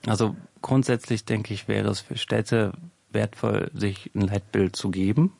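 A man, a sociologist, speaking as a studio interview guest, measured and explanatory, thinking aloud as he goes. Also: on the low side, steady tone, vocal fry, a little mellow, no echo. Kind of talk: expert radio interview.

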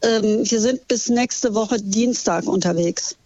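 A woman's voice: medium pitch, slow pace, mellow. A woman tour guide calls in from a ship, speaking in a friendly, slightly hesitant way with many fillers. Her mid-range voice comes through a dull, muffled phone line with no room echo. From Germany. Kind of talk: phone interview. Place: on a ship at sea.

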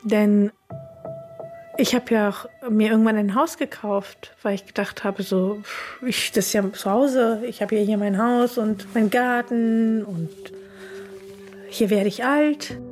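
A woman from Afghanistan, a lawyer, speaking softly and reflectively in a personal interview. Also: medium pitch, a little slow. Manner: soft, reflective, quietly emotional. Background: faint music.

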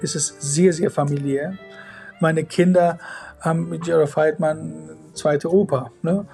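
A man, talking in an unhurried, thoughtful way in an interview over a video call. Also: fairly high pitch, fairly even intonation, vocal fry, a little mellow, faint music behind. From Iran. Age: 40s. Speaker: interviewee, composer and manager. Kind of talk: casual interview talk. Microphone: online video call.

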